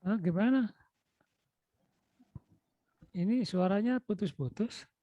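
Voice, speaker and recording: A man lectures an online class with a Sundanese-influenced Indonesian accent, coaxing his students and repeatedly calling to them. His high-sitting voice is mellow and unhurried, recorded dry. It comes through as dull, lo-fi video call audio.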